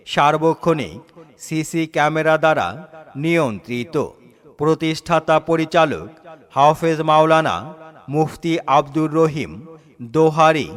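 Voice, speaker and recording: A man with a Bangladeshi accent reading a scripted promotional public announcement in formal, measured, paused phrases, with a loudspeaker-announcement sound. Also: fairly high pitch, smooth. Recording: long reverberant echo, loudspeaker-announcement sound.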